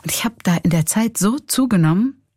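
A woman's voice: medium pitch, lively intonation, a little fast, a little mellow, breathy edge, dry recording, studio quality. A woman in her forties with a Swiss German accent, a comedian and clown speaking reflectively and laughing often in an interview.

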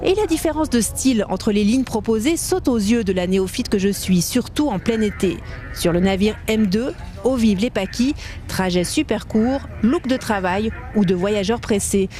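A woman reporter, narrating a radio feature in an even, crisp way. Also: medium pitch, normal speed, soft background music. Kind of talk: scripted narration.

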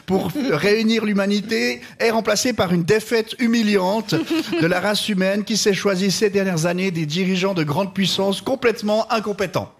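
Man, comedian, very high voice, dry humor, punchlines. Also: normal speed, vocal fry. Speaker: comedian panelist. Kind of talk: comic storytelling.

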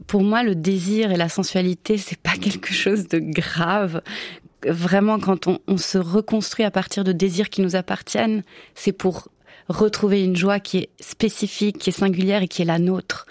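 A woman from Italy, a native Italian speaker, answering radio interview questions in a thoughtful way, pausing and searching for words. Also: medium pitch, a little mellow, no room sound. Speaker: theatre maker, guest.

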